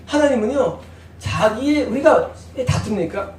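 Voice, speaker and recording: A male pastor preaching an expository sermon, swinging between loud emphatic questions and hushed, quiet prayer. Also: very high voice, lively intonation, a little slow. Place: church hall. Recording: echoey hall, distant mic, faint noise.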